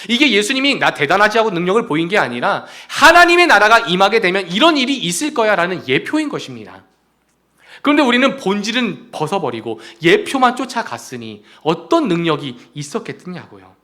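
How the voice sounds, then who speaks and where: A middle-aged man preaching from the pulpit, his voice high and bright. His pitch leaps up and drops back down constantly, and he slips into dialogue, acting out the characters' lines. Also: very animated, brisk. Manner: acts out quoted voices in dialogue. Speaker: pastor. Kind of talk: sermon.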